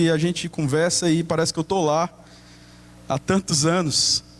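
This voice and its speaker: A man with a strong Ceará accent speaks in a high voice with monotone, flat intonation. The sound is dry and close, with no echo. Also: very even loudness. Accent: Ceará accent, strong again. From Ceará, Brazil (Fortaleza). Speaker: pastor. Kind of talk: sermon. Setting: church.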